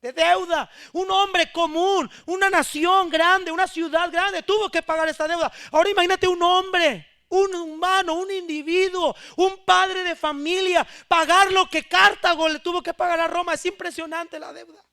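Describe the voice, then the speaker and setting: A man, a pastor preaching a sermon in church, swinging between hushed, intense passages and loud exhortation. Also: extremely high pitch, fairly even intonation, moderate pace, few pauses.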